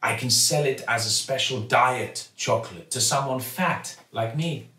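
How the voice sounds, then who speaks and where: A man's voice: medium pitch, measured pace, pushed and bright. Man acting out a kindly, sentimental shopkeeper. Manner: avuncular, emotional. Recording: roomy, slightly distant mic.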